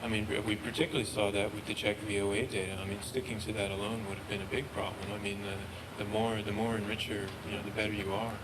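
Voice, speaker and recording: A man presenting research and answering questions, halting and often repeating words. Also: lowish voice, level tone. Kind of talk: research talk Q&A. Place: lecture room. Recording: noisy room recording.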